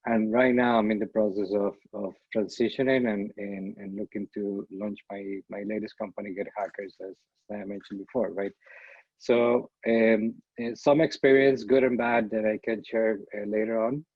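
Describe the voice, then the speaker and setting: Middle-aged man from Costa Rica, founder on a panel, halting delivery, dry lo-fi call audio. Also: fairly low pitch, fairly even intonation, husky, dry recording. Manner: halting, repeats words while thinking. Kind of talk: casual panel talk. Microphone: video call.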